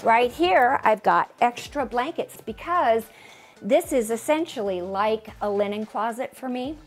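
A woman's voice: a little high, expressive, unhurried, faint music behind. Bubbly woman touring her closet. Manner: bubbly, self-joking, talks straight to camera. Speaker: home organizing vlogger. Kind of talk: casual chatty home tour. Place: bedroom closet in a home, indoors.

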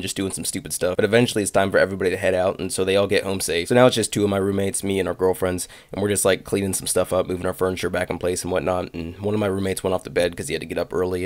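A man's voice: low-pitched, no room sound. A young man with a cold and a slightly nasal voice, telling a joking, crude story over gameplay. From United States. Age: young adult. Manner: joking, crude, self-mocking asides. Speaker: gaming commentary host.

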